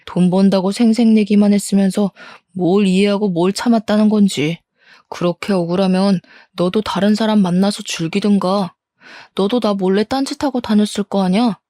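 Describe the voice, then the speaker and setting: A woman's voice: medium pitch, fairly even intonation, normal speed, mellow, no echo, clean studio sound, natural voice. A woman voicing a defensive, scornful cheating husband in a story reading. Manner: defensive, scornful, blame-shifting. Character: angry cheating husband, middle-aged man. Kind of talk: storybook role-play.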